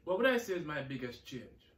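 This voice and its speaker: A man's voice: a little high, very animated, fairly quick, a bit bright. Jamaican man, roomy distant recording. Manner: rambling, repeats words and restarts. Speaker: reef conservationist answering interview questions. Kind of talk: casual recorded answers, reading questions aloud.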